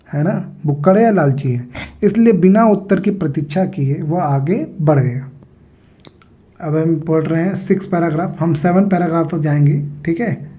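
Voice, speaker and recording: Male teacher, slow deliberate delivery, repeats words for drilling, slightly high voice, dull lo-fi recording. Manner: reads English lines slowly, then explains at length in Hindi. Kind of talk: classroom-style explanation of an English text.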